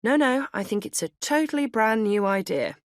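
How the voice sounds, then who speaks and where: A woman voicing a dry, sarcastic female best friend in an audiobook, flat and deadpan. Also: fairly high pitch, normal speed, no room sound, pitched above the performer's own voice, natural voice. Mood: flatly sarcastic.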